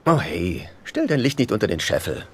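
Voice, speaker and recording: A man's voice: on the low side, very animated, normal speed. A man acting a sardonic, self-pitying middle-aged housemate in dubbed sitcom dialogue. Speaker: dubbing actor. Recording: faint background noise.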